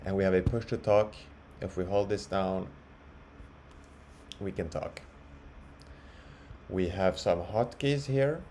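Slow, low-voiced man giving a tutorial. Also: warm tone. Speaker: software tutorial presenter. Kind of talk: casual screen-share walkthrough. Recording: clearly audible background noise.

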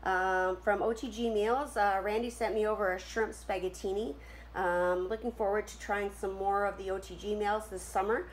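A woman's voice: mid-range voice, steady tone, a little hiss or hum, rough recording. A middle-aged woman from Canada in a casual camping vlog, chatting with many ums as she lists her gear, filmed on a nearby camera at home. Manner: chatty, many ums and uhs, listing items quickly. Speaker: camping vlogger. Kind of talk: casual show-and-tell vlog. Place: home room with wooden floor, indoors.

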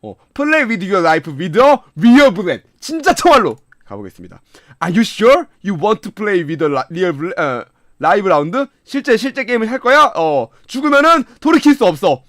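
A man with a very high, lively voice, recorded close and dry with no room sound. He streams a game, talking casually and excitably, swinging from quiet mumbling to loud shouts and laughter. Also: measured pace, dry recording. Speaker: gaming streamer.

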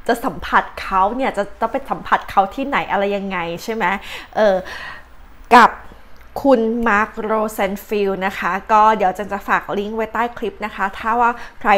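Chatty Thai woman vlogger, fairly high voice. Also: fairly bright tone. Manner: chatty, uses many fillers and polite particles. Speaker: channel host, astrology and advice vlogger. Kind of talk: casual chatty explainer, translating tips.

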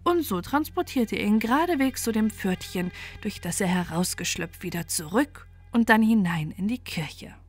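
Woman storyteller over soft background music. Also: mid-range voice, lively intonation, moderate pace, few pauses, husky. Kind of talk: scripted bedtime fairy-tale narration.

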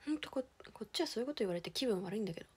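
A young woman, chatting casually as a streamer, ranting with animated indignation and dropping into whispered asides. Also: a little high, racing, breathy edge. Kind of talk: casual chat.

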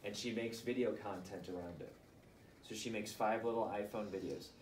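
Before a live audience, a book coach runs a group session for aspiring authors, energetically firing off rapid advice and rhetorical questions. His voice is fairly low, with a little hiss or hum, and the roomy, distant mic picks up faint ambience.

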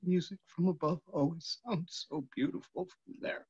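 An actor playing a dying, tormented, lonely Phantom with broken, halting delivery in a staged reading over a video call. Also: male voice, a little high, steady tone, a little mellow, breathy edge, no room sound. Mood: weary, dying. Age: middle-aged. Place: small room indoors, video call. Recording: dull video call audio.

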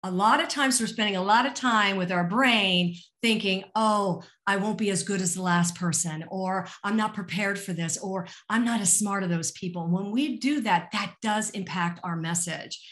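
A woman's voice: medium pitch, moderate pace, few pauses, a bit bright. A middle-aged woman presenting an online webinar as a career coach, conversational and encouraging, speaking directly to her listeners. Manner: encouraging, addresses listeners directly with rhetorical questions. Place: small indoor room, online webinar. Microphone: video call.

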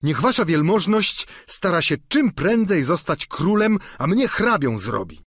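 A man voicing an eager, exclaiming peasant squire in an audiobook, with a husky voice. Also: sits high, sing-song, a little slow, fairly bright tone, no room sound, clean studio sound, pitched above the performer's own voice, heavily acted. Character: plain-spoken peasant squire, middle-aged man. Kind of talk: audiobook character reading.

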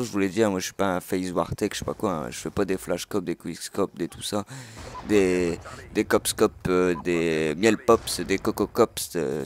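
Excitable low-voiced gamer man. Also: a little hiss or hum. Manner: excitable, swearing, frequent outbursts and fillers. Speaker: gaming channel host. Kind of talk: live gameplay commentary.

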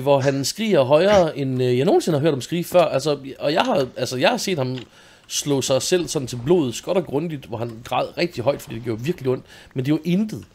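A gravelly-voiced young man from Denmark chats casually while gaming. He tells a story about home life, laughing easily and cursing freely, speaking into a desk microphone. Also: a little high, lively intonation, a little mellow. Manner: laughs often, swears casually. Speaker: gaming video host.

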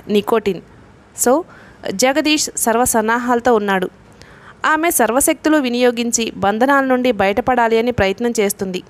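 A woman narrating a novel as an audiobook reader, reading the characters' lines in her own voice. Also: on the high side.

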